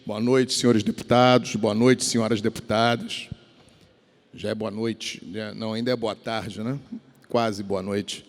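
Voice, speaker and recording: A man's voice: lowish voice, level tone, a little slow. A man in his fifties with a Carioca accent from Rio de Janeiro, giving a formal speech as a state deputy, rambling and restarting his words. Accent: Carioca Portuguese. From Rio de Janeiro, Brazil. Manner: rambling, repeats and restarts words, addresses colleagues. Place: large legislative chamber. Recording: long reverb of a large hall.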